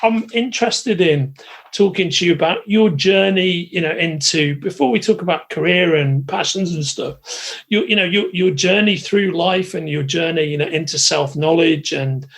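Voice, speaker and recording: Male podcast host, gravelly and slightly high, effusive, stumbles over his words. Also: normal speed, fairly bright tone. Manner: effusive, repeats words, many "you know" fillers. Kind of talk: casual interview chat.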